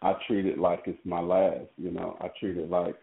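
A man phones in to a talk radio show, halting and repeating himself as he speaks. His voice is very deep and gravelly. It comes through a roomy, tinny phone line. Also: level tone, crowd noise. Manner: hesitant, halting, repeats words. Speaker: caller.

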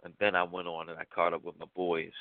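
A man co-hosting a call-in talk show, telling a personal story in a lively, colloquial way and acting out the lines he quotes. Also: low-pitched, quick pace, no room sound. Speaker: radio talk show co-host. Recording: tinny phone-line sound, dry.

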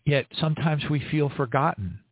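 A man leading a spontaneous spoken prayer, earnest and halting, with frequent restarts. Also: a little high, no echo. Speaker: prayer leader. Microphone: online stream. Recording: tinny phone-like line, dry.

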